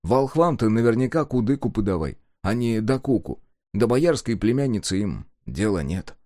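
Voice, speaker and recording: Man, audiobook narration, animated delivery, dry studio sound. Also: lowish voice, normal speed, no echo.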